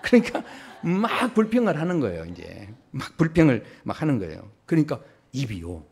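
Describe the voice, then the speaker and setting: A pastor delivers a Sunday sermon in a husky voice that rises and falls freely. He tells a story and slips into quick acted-out voices for its characters, leaning into each line. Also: mid-range voice. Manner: storytelling with lively acted-out voices for body parts.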